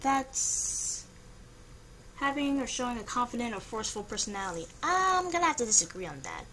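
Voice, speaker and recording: Young female vlogger, slightly high voice, noncommittal think-aloud delivery, home recording with a little noise behind. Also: very animated, normal speed, bright, forceful tone, poor audio. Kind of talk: casual chat, thinking aloud through a personality quiz.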